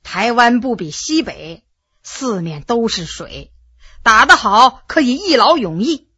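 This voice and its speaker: Shrewd elderly official, quiet lowered voice, measured advice, a woman acting him in a storybook reading with a husky edge. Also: big pitch swings, dry recording, lo-fi sound, exaggerated voice. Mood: earnest. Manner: measured, advising. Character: elderly stroke-stricken Qing official, shrewd and frank.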